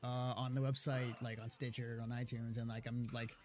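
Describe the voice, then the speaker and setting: A man's voice: medium pitch, flat delivery, normal speed. A man chatting casually and encouragingly on a voice call, with plenty of filler words. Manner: upbeat, encouraging, lots of "like". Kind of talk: casual chat.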